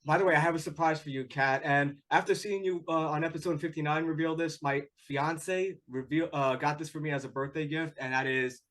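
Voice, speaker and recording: Eager American man hosting, higher voice. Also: fairly even intonation, fairly quick, few pauses, fairly bright tone. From United States. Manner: eager fan, stumbling over words. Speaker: podcast host. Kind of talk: casual interview.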